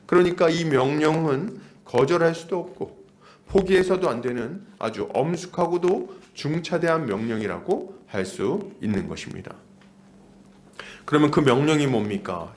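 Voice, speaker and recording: Guy around 40 doing a pastor's sermon, really animated intonation, repeats stuff for emphasis, asks lots of rhetorical questions. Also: a little high. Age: about 40. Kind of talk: expository sermon to a congregation.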